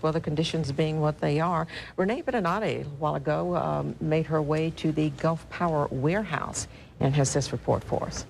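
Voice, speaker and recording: A woman anchoring rolling storm coverage on the news, speaking in measured, halting phrases. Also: low voice, poor audio. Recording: clear background noise.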